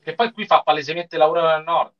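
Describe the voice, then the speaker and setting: A man's voice: fairly high pitch, fairly quick. A man giving casual commentary in a group anime watch-along over a video call. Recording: dull, lo-fi video-call audio.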